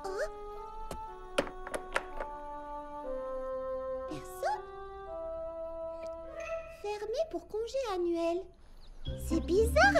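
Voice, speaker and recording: A woman voicing a cheerful, kind, organised young girl heroine in a children's cartoon, expressive and earnest. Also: extremely high pitch, heavily acted. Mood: puzzled. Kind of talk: animated children's cartoon dub.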